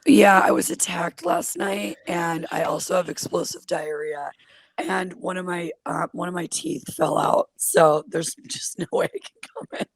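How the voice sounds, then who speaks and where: A woman with a super scratchy voice playing someone calling in sick to their boss, deadpan with over-the-top excuses. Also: lowish voice, measured pace, gravelly, no echo, exaggerated voice. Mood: pleading.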